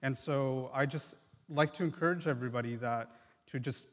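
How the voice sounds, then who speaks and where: Young man in his twenties, from Mexico, mid-pitched, earnest testimony in a church hall. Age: 20s. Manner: earnest and reflective, many ums and pauses. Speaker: guest speaker, medical student. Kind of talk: personal testimony. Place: church sanctuary.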